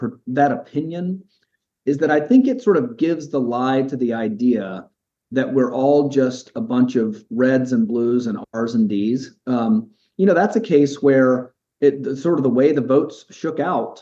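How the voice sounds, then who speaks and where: With an American accent, a man speaks at a fairly slow pace in a dark, mellow tone. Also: medium pitch for a man, ordinary pitch variation. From Alabama. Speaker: federal appellate judge. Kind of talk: casual interview chat.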